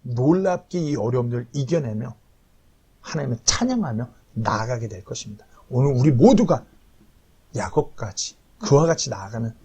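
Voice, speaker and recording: A man's voice: medium pitch, lively intonation, moderate pace, warm tone, slightly rough. A man in his thirties preaching an earnest, confessional sermon as a pastor, at times pleading.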